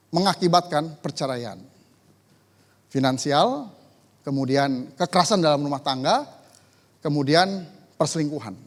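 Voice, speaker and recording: High-voiced pastor preaching in a reverberant church. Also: male voice. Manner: conversational preaching, rising to emphatic declarations. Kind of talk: sermon. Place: church sanctuary.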